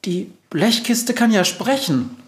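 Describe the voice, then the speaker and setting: A man's voice: very high-pitched, sing-song, normal speed, darkish tone, reverberant, pitched above the performer's own voice. A man voicing a small, easily frightened female mouse who squeals and shrieks shrilly. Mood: indignant.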